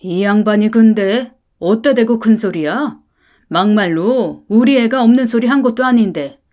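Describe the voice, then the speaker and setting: A woman's voice: fairly high pitch, moderate pace, a little mellow, natural voice. A woman voicing a wealthy, arrogant mother who talks down to others with contempt. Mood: scornful. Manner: sneering, haughty.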